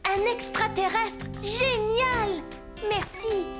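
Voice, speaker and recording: An actor playing an excitable, cheerful young boy in a French children's cartoon, with a bubbly childlike manner. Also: very high-pitched, takes it slowly, over loud music. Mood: excited.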